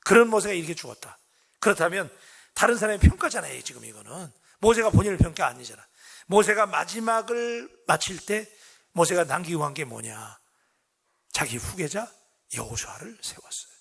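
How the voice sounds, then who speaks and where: Middle-aged pastor guy preaching at dawn service, husky voice, keeps asking the crowd stuff. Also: high-pitched. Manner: conversational preaching, lively questions to the congregation. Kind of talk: sermon. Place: church sanctuary.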